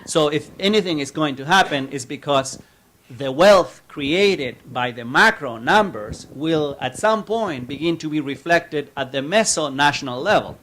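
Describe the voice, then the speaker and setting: Measured Chilean man asking a question. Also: a little high, lively intonation, a bit bright. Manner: measured, careful, with frequent fillers. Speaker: audience member asking a question. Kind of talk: academic question from the floor.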